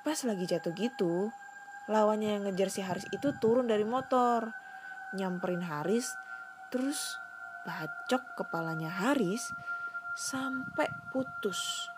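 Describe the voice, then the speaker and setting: A woman's voice: mid-range voice, a little slow, pauses often, over music, natural voice. A woman voicing a slangy, teasing young female friend telling a local ghost story, over a noisy recording. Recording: noisy background hiss.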